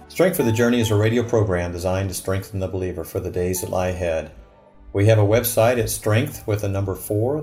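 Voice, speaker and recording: Christian radio host, male, low and mellow, halting delivery with frequent fillers. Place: radio studio.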